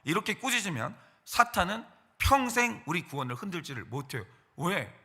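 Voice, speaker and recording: Male pastor, high and very bright voice, lively emphatic sermon delivery. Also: moderate pace, slightly rough. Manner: acts out quoted voices of Satan and believers; emphatic, animated preaching. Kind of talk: morning sermon. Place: church.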